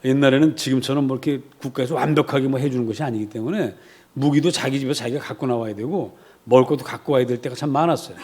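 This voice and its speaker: A man's voice: medium pitch, fast, darkish tone. A male pastor preaching a sermon in a church, telling stories animatedly, acting out quotes and having the congregation repeat after him.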